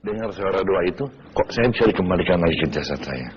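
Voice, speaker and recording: A man's voice: low-pitched, lively intonation, fast talker. A man guest recalling his near-death experience in plain, hesitant words. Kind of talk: personal testimony. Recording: dull lo-fi TV audio, faint noise.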